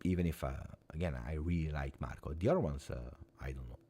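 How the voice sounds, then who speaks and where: A man in his forties with a very low, deep voice talks in English, which is not his first language. He chats casually with his viewers, rambling, circling back and repeating phrases with earnest sincerity. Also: fast, dark tone, slightly rough. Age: 40s. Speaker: fan channel host. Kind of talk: casual live chat with viewers.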